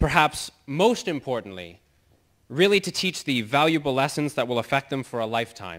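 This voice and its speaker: A man with a Canadian accent talks at a moderate pace in a fairly high pitch, with vocal fry and very wide pitch swings. The recording is very clean with a silent background. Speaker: student. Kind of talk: conference speech. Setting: stage with audience.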